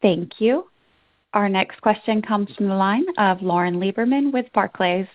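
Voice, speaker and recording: A woman's voice: mid-range voice, a little slow, dry recording. A woman working as a conference call operator, making scripted announcements to introduce callers. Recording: dry, narrow phone-like line.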